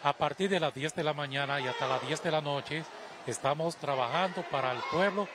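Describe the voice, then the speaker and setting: A man's voice: fairly high pitch, a little fast. A middle-aged Dominican man at an expo fair stand, inviting people in and promoting offers. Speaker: company employee. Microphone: interviewer's handheld mic. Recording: noisy fair hall.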